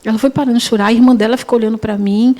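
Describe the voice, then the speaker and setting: A middle-aged woman teaches a spiritist course. Her voice sits high, with a mellow, warm tone. She talks in a loose, conversational way, often restarting and correcting herself. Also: steady tone, very fast. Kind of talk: storytelling lecture.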